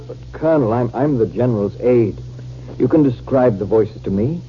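Man acting a measured army captain, dull recording. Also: mid-range voice, lively intonation, over music, lightly acted. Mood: urgent, commanding. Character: smooth, dutiful army captain, secretly a cold spy. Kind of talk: 1950s radio drama acting. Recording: dull, hissy 1950s radio recording.

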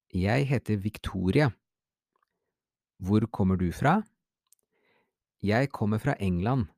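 Male podcast host and language teacher, low-pitched with some fry; relaxed and unscripted, dry close-mic sound. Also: no echo. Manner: relaxed, unscripted, reads slow example phrases then translates. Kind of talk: casual spoken language lesson.

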